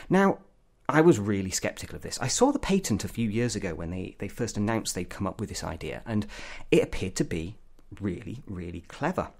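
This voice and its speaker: A man with a fairly low voice reviews gadgets in an opinionated way. His pitch swings widely as he talks, and he leans hard on key words for emphasis. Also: warm tone. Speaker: tech reviewer.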